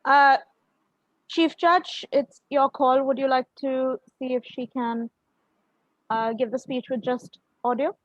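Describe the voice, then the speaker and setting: Female online meeting participant, high-pitched, slightly dull dry call audio, helping run an event. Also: fairly even intonation, takes it slowly, no echo. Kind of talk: procedural meeting talk.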